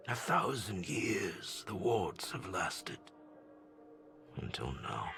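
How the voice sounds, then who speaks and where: An actor playing a grave, solemn old tribal elder in a game, with a gravelly, breathy voice and weighty delivery. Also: male voice, low voice, fairly bright tone, slight background noise, heavily acted. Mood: solemn regret. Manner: slow, weighty, portentous. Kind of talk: solemn dramatic game cutscene monologue.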